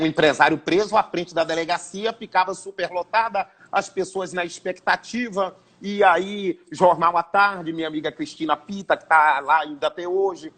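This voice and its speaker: A man's voice: high-pitched, a bit bright. A man, a radio broadcaster and sports commentator, telling an anecdote in an interview, repeating and restarting words as he goes. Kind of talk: storytelling in a casual interview.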